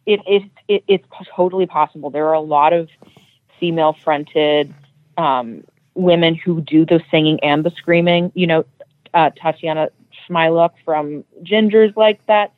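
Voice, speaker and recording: A woman's voice: deep voice, normal speed, no echo. Woman on a tinny phone line. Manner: chatty, restarts often. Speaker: metal band singer. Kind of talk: interview guest.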